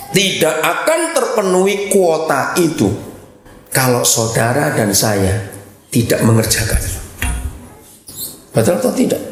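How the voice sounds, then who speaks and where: A man preaching in a hall with heavy echo, his voice rising and falling with lively pitch. He is blunt and emotional, sliding from low muttered asides into loud shouted mimicry. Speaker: pastor. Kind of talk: sermon. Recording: echoey church hall.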